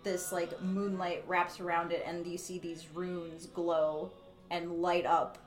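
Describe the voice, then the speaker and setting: A woman's voice: on the low side, level tone, slow pace, soft background music. A woman player chatting casually during a tabletop game, hesitant with many ums and frequent laughs.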